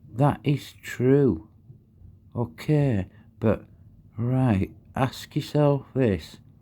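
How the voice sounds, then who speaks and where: Very slowly and with long, frequent pauses, a man speaks at a medium pitch with ordinary pitch variation and a dark, mellow tone, on a very clean recording with a silent background. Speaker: conspiracy commentator. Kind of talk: monologue to camera.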